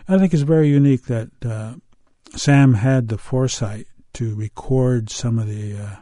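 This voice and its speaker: An older man from the US Pacific Northwest telling a folk tale and talking about old recordings, in a halting, unhurried way with many pauses and fillers. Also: mid-range voice, dark tone, no room sound, clean studio sound. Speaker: storyteller. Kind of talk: oral storytelling and interview.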